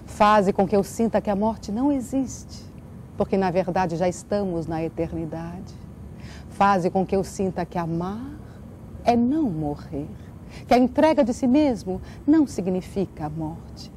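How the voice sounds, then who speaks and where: A woman's voice: mid-range voice, expressive, a little slow, darkish tone, a little hiss or hum. A woman speaking earnestly as a guest, in the manner of someone who performs. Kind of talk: earnest interview talk and poetic recitation.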